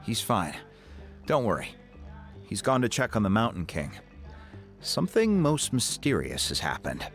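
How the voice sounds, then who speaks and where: Deep-voiced calm tribal chief. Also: male voice, a little slow, pauses often, faint music behind. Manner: calm, explanatory. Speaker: tribe chief. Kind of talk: game cutscene voice acting.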